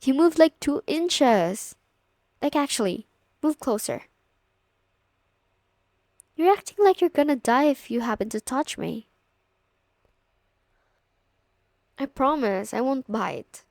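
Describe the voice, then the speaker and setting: A woman's voice: high voice, expressive, a little slow, creaky, long pauses, darkish tone, dry recording, studio quality, heavily acted. A young woman playing a confident, teasing older sister of a best friend in an intimate, casual ASMR roleplay spoken to the listener. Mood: pleased, teasing.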